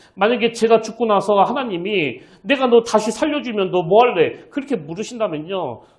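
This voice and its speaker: A man shouting loudly at a high pitch, with a fairly quick pace and ordinary pitch variation. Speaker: pastor. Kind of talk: sermon. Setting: church. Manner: loud, shouting; animated.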